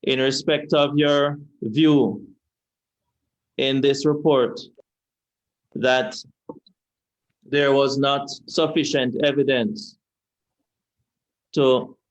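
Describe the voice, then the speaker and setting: A man with a Jamaican accent, a lawyer questioning a witness at an inquiry in a measured, deliberate, repetitive way. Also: medium pitch, highs cut off. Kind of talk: courtroom cross-examination. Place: inquiry hearing room.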